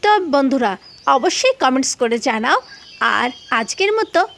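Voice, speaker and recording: A woman's voice: high voice, sing-song, measured pace, gravelly, a bit bright. A woman narrating for children as the storyteller and host of a cartoon channel.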